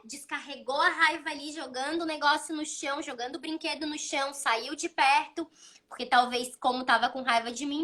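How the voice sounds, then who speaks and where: Bright, high-voiced woman giving parenting advice. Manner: explains with anecdotes, acts out child dialogue. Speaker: child psychology channel host. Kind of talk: casual advice talk.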